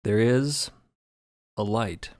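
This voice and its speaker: A man's voice: fairly low pitch, drawn-out words, a little mellow. A man speaking as a creator in a casual, reflective roundtable discussion. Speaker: podcast creator, roundtable guest.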